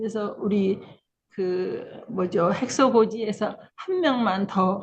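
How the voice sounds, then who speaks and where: Her words come out at a very slow pace. The woman's voice sounds somewhat breathy. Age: 60s. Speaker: church deacon. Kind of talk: testimony.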